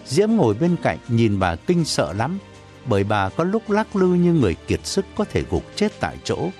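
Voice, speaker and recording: A man narrating a story in an expressive, dramatic reading. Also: medium pitch, normal speed, soft background music. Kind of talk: audiobook narration.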